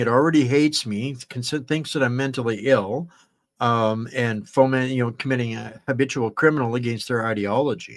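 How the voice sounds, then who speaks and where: This man's pitch is medium and varies in an ordinary way. He talks fairly quickly. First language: Plautdietsch (Mennonite Low German). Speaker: political commentator. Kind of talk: live commentary. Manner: halting.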